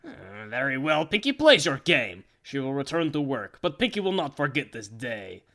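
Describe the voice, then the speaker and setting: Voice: medium pitch, sing-song, moderate pace, gravelly, a bit bright. A performer voicing a deranged, obsessive female cartoon pony who talks in a stilted, theatrical way and calls herself by name in a comedic parody. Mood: brooding, sinister.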